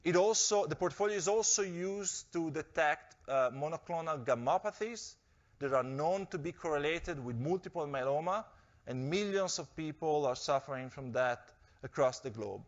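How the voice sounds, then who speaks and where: A man giving a measured corporate presentation, pausing often with fillers. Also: on the high side, lively intonation, muffled recording. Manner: measured, with frequent hesitations. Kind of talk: investor presentation speech.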